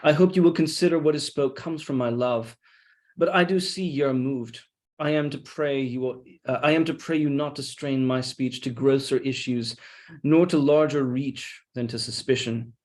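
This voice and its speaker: A man reading a scheming, deferential soldier in Shakespeare, with measured, insinuating, mock-humble delivery. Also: mid-range voice, fairly even intonation, a little mellow, lightly acted. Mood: falsely apologetic. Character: scheming deferential soldier feeding his lord's suspicion. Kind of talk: Shakespeare read-along.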